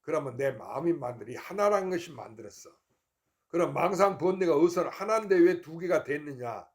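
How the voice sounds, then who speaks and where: Animated and a bit fast, an older Buddhist monk gives an informal Dharma talk at his temple in a somewhat high, darkish voice. His style is folksy and rhetorical, and he repeatedly checks that listeners understand.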